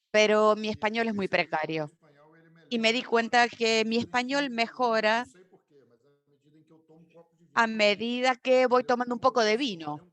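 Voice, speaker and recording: A woman giving a simultaneous interpretation of a corporate conference talk, steady but often correcting herself mid-word. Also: mid-range voice. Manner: steady with frequent self-corrections and restarts.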